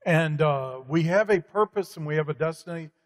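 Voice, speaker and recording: A guest speaker preaches conversationally, his fairly high-pitched male voice moving at normal speed. He is emphatic and preacherly, with lots of fillers, and the recording carries hall reverb.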